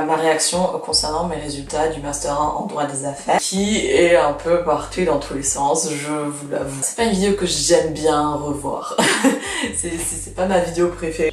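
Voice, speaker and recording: Woman in her 20s, chatty law student vlogger, hoarse from losing her voice, recorded off-mic. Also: low voice, echoey room, distant mic. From Canada. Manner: chatty, many fillers and restarts. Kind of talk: casual vlog chat.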